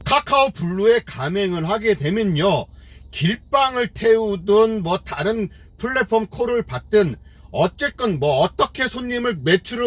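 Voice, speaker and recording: On his own channel, a middle-aged taxi driver offers opinionated commentary, scolding through rhetorical questions and leaning on fillers. He has a high, fairly bright, husky voice, recorded with no room sound.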